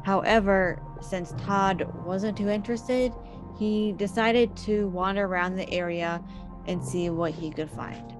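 A woman's voice: medium pitch, fairly even intonation, a little slow, music in the background. A woman hosting a podcast, telling a story in a casual way and breaking off for chatty personal asides. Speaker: podcast host.

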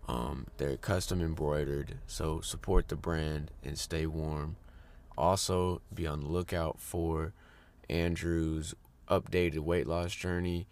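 Deep-voiced guy with a stuffy nose, chatty and upbeat, lots of ums. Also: steady tone, takes it slowly, a little mellow. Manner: upbeat, rambling with fillers and restarts. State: congested. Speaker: fitness podcast host. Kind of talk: casual podcast monologue.

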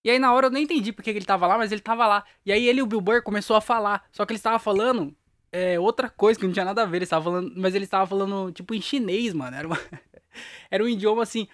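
A man's voice: high-pitched, rapid-fire, a bit bright, no echo, clean studio sound. A young man, hosting his podcast alone and telling a long, rambling story in slangy talk, laughing at himself. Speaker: podcast host. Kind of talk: casual solo podcast storytelling.

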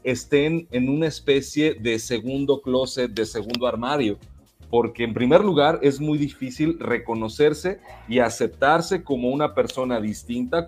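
A man from Mexico whose first language is Mexican Sign Language speaks as a radio guest. His answers are measured and earnest, broken by frequent hesitations, with faint music in the background. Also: medium pitch, darkish tone. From Jalisco, Mexico. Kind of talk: interview answers.

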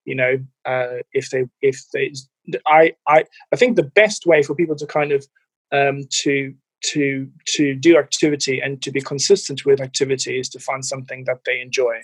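A man's voice: mid-range voice, fairly even intonation, normal speed, breathy edge, no echo. A man in his forties with a mild, anglicized South African accent, a fitness and mental health coach answering interview questions with lots of ums and restarts. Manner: hesitant, many fillers and restarts.

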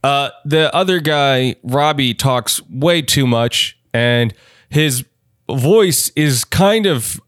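A man co-hosting a comedy podcast, reading listener emails in a deadpan way with halting restarts. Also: mid-range voice, dry recording, studio quality. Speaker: podcast co-host. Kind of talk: casual comedic podcast banter.

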